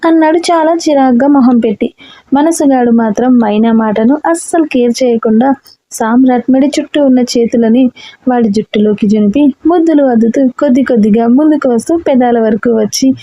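Woman storyteller, audiobook romance narration, steady expressive reading, dry close recording. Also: on the high side, brisk, no room sound.

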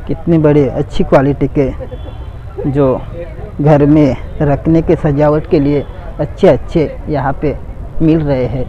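A man's voice: fairly high pitch, fairly even intonation, slow pace, lo-fi sound. A man vlogging as he walks through an expo hall, telling viewers "guys" what they can see. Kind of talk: walk-through vlog narration. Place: indoor expo hall, tents.

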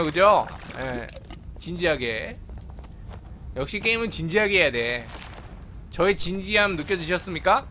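A man's voice: high-pitched, slight background noise. A man playing a horror game and commenting, greeting his viewers and yelping at sudden attacks. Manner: excitable, yelps and shouts at the game; chats with viewers. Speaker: game streamer. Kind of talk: Let's Play commentary.

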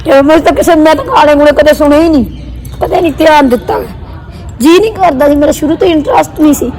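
A young woman chatting casually for a vlog, teasing and complaining through a hoarse, strained sore throat. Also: high-pitched, fast talker, warm tone, rough recording. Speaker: family vlogger. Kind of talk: casual vlog banter with partner.

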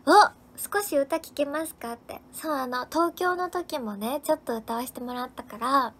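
High-voiced woman live-streamer thanking viewers. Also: normal speed, a bit bright, slight background noise. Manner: cheerful, thanks viewers by name one after another. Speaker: livestream host. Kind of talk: casual live-stream chat reading viewer comments.

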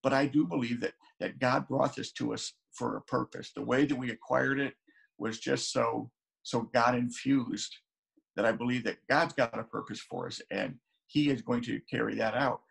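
A man's voice: mid-range voice, steady tone, moderate pace, creaky, husky, rough recording. A man in his sixties, a pastor, preaching an earnest, conversational sermon from his home sunroom to a camera, often restarting his sentences.

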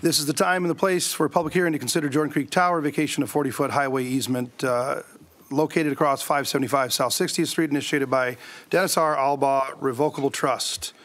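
Man, mayor, chairing council meeting, quick, higher-pitched, desk mic, council chamber. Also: steady tone, a bit bright. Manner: brisk procedural, reading agenda items.

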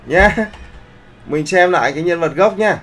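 This male art instructor runs a live online class at a moderate pace, with a fairly high pitch and a fairly bright tone. He politely checks in with his students again and again to make sure they're following.

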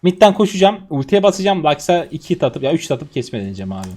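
Lively young male gamer streamer. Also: fairly high pitch, quick pace. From Turkey. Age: 20s. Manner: swings from muttering to shouting and laughing. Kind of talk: excited gameplay commentary.

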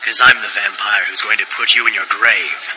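An actor playing a suave, boastful vampire in an anime dub, speaking with smug mock politeness. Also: male voice, lowish voice, fairly even intonation, normal speed, over loud music, natural voice, poor audio. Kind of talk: English anime dub acting.

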